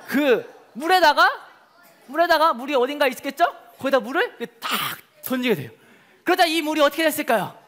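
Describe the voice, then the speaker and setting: Lively preacher telling a story to children. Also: male voice, extremely high pitch. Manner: storytelling with acted-out crowd voices and questions to kids; lively, sing-song, calls out to children. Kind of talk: animated children's sermon.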